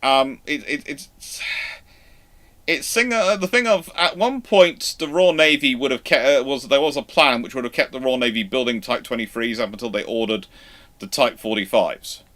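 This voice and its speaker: A man's voice: mid-range voice, a bit bright. A man hosting a casual live question-and-answer chat, stammering through false starts and repeating himself. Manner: halting, stammering false starts and self-repetition.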